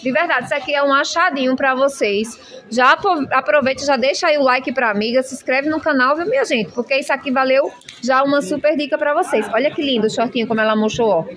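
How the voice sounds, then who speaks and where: A high-pitched woman talks in a chatty, gushing way as she shows off children's clothes in a shop. She fills her talk with warm asides to her viewers and sounds excited about every piece. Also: fast talker. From Brazil. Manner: gushing, chatty, constant "minha gente". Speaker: shopping vlogger. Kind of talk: enthusiastic product showcase. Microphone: handheld phone camera.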